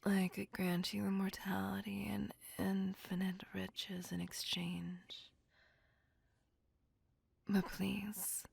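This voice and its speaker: A woman acting as a possessive female vampire, formal speech, intimate whispers, slow pace, dry close recording. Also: mid-range voice, vocal fry, darkish tone, husky, dry recording, heavily acted. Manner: formal, courteous old-fashioned speech. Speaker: voice actor. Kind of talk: ASMR roleplay.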